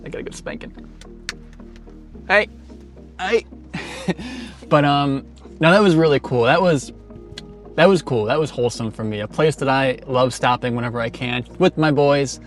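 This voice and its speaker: A man's voice: medium pitch, normal speed, faint music behind. A man talking casually to the camera as a road trip vlogger, rambling loosely and chuckling often. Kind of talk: casual vlog chat.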